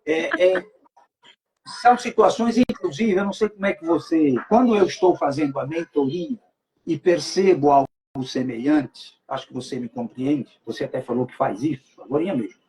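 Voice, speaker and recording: A man who works as a speaking mentor talks in a casual chat, animated, repeating phrases and joking about mispronunciations. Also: a little high, normal speed, rough recording. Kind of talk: casual two-person chat.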